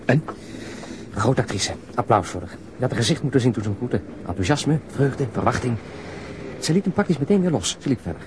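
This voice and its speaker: A man's lively, fast-moving voice acted as a sardonic detective in a radio play. His pitch swings as he teases and reports. There is light noise on the recording. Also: natural voice. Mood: wry amusement. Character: wry, chatty male police detective. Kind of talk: Dutch radio drama acting.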